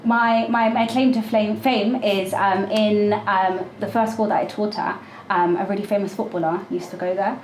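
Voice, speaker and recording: A woman's voice: medium pitch, steady tone, normal speed, hardly any pauses, darkish tone. A woman, chatting casually as an interview guest, giggly and full of ums. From London, UK. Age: 20s. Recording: echoey room, faint background noise.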